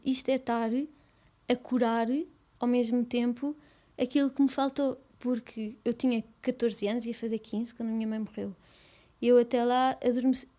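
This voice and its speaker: A young woman with a European Portuguese accent, speaking softly and haltingly in a personal interview, with many restarts. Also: fairly high pitch. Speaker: guest.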